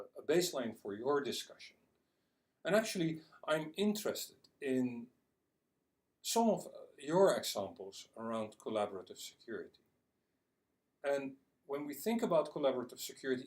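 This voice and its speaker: A man's voice: medium pitch, sing-song, normal speed, pauses often, darkish tone. Man presenting, recorded at a distance. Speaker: conference speaker on internet security. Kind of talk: explanatory presentation to an audience. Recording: distant microphone.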